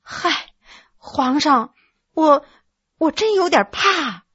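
A woman's voice: high voice, lively intonation, very slow, a bit bright, no room sound, exaggerated voice. A woman voicing a coy, anxious young court lady who hesitates, stammers and sighs, in a slightly muffled recording.

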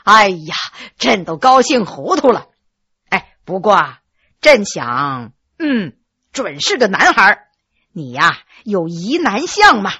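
A woman voicing a doting emperor, lowered voice. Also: sing-song, slow pace, bright, forceful tone, slightly rough, heavily acted. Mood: overjoyed. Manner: indulgent, soothing, then overjoyed. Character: commanding, doting male emperor, middle-aged.

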